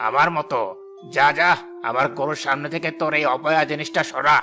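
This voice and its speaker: Man voicing an arrogant rich villager, gravelly. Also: a little high, steady tone, fairly quick, sharp tone, faint music behind. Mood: scornful. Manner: mocking, contemptuous. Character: boastful wealthy village man, arrogant and scornful. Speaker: villain of a cartoon story.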